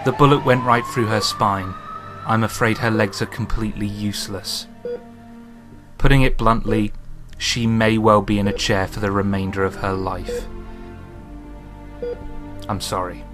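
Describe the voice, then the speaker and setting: An actor in a radio drama playing a matter-of-fact doctor with a blunt, measured delivery. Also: male voice, fairly low pitch, steady tone, close to an everyday voice. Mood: sombre, blunt. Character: matter-of-fact hospital doctor giving bad news. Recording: music under the voice.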